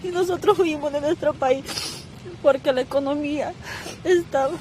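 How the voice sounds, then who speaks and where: High-voiced tearful woman giving testimony. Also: moderate pace. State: tearful, voice breaking with crying. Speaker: migrant mother being interviewed. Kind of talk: emotional personal testimony. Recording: clearly noisy, traffic rumble.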